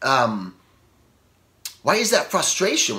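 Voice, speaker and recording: Over a quiet background, a bright, sharp tone comes through at a fairly slow pace. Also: man. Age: 40s. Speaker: artist and art teacher. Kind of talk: monologue talk. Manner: rambling, repetitive, restarting sentences; informal, conversational. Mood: reflective, slightly frustrated. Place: home room. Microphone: webcam.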